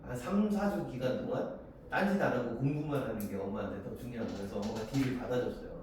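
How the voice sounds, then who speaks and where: A man in his forties teaching a Korean literature class, lively and animated, often checking that students agree and acting out lines of dialogue in quick voices. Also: mid-range voice. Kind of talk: classroom lecture. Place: large echoey classroom. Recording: very echoey classroom, voice far from the mic, faint hiss.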